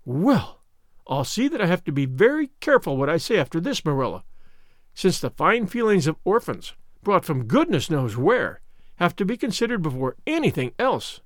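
Man playing a haughty, blunt busybody lady, high-pitched. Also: big pitch swings, moderate pace, no room sound, clean studio sound. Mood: offended dignity. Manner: emphatic, gloomy, solemn, pompous.

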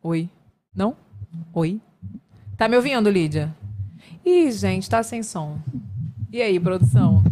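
A woman hosting a podcast in casual chat, playful and quick to laugh. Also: medium pitch, expressive, warm tone, slight background noise. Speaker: podcast host.

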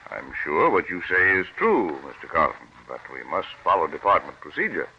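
Polite bureaucrat, very deep voice, muffled old radio sound. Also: male voice, huge pitch swings, moderate pace, a little hiss or hum, full character voice. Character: cautious government secretary, bureaucrat. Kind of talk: 1940s radio acting.

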